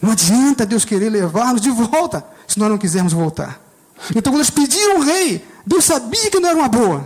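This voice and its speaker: This man's voice sits at an extremely high pitch, with very wide pitch swings. He talks at a fairly quick pace. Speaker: pastor. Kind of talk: sermon.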